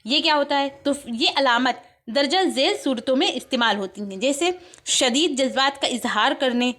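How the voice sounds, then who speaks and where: A woman's voice: sits high, animated, moderate pace, a bit bright. A woman with an Indian accent, patiently explaining an exam paper step by step as a teacher.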